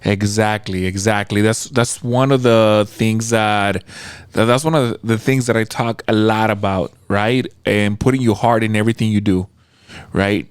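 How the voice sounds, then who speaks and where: A man's voice: lowish voice, fairly even intonation, normal speed, clear, resonant tone, no room sound. A man hosting a casual interview, talking in a motivational, emphatic way and playfully acting out scenes. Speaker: podcast host.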